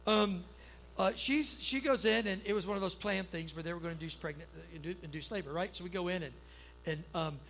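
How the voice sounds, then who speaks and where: A man's voice: high voice, a little fast, gravelly, a bit bright, slight background noise, poor audio. A middle-aged man, a pastor, preaching to a church congregation in a folksy, storytelling way, often checking in with the crowd, then leading a prayer. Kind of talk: conversational sermon and prayer.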